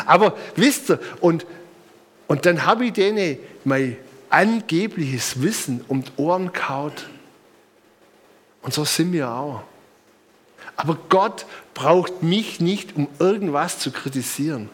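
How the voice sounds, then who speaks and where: A man's voice: on the high side, lively intonation, takes it slowly, fairly bright tone, husky. A middle-aged man with a southern German accent preaching informally, with conversational anecdotes and emphatic repetition. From Bamberg, Germany. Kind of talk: sermon with personal anecdotes.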